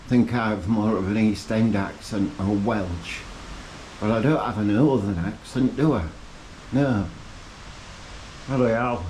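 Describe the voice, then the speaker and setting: Middle-aged guy, low and unhurried, dry asides while he works in the garage; DIY vlogger. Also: a little mellow, a little hiss or hum, rough recording. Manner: wry, chatty asides between tasks. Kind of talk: casual talk-to-camera while working. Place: garage and yard, partly outdoors.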